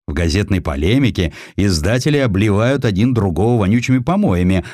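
A man's voice: on the low side, darkish tone, dry recording, studio quality. A man voicing a courteous, self-righteous government minister with an official, explanatory manner in a dramatized reading.

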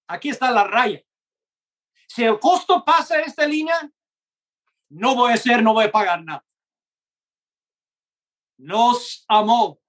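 A man preaching a gospel message in Spanish, which is not his first language, in a slow and earnest way, acting out short dialogues. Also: very high-pitched, fairly bright tone. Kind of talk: gospel sermon.

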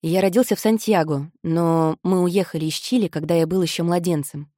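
A woman putting on a calm, teasing young man. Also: fairly low pitch, brisk, no room sound, clean studio sound, natural voice. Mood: relaxed. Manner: soft, easygoing, lightly amused. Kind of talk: audiobook character voice.

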